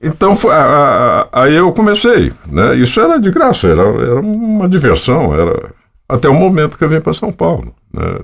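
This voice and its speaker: A man's voice: a little high, wildly swooping pitch, a little fast, vocal fry. A Brazilian man in his seventies, a voice-over artist, telling long casual stories in an interview. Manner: rambling, anecdotal, with frequent fillers.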